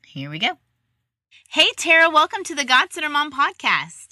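A woman's voice: sits high, very animated, moderate pace, sharp tone, dry recording, studio quality. A woman hosting a faith podcast, chatting eagerly and laughing easily as she interviews a guest. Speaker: podcast host. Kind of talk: casual interview chat.

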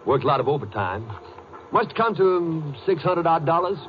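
A muffled, noisy vintage radio recording carries a man with a Southern American accent and very animated pitch. an easygoing oilfield boss who drawls folksy answers with plenty of hesitation. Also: normal speed. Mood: hesitant, cooperative. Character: folksy, easygoing male Texas oil drilling boss. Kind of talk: 1950s radio western crime drama acting.

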